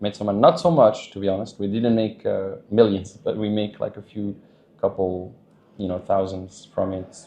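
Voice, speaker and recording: A man talking casually as a podcast guest, loose and chatty, laughing often and filling pauses with "like" and "you know". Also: lowish voice, fairly even intonation, mellow, roomy sound, lo-fi sound. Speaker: podcast guest, dating coach. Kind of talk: casual interview talk.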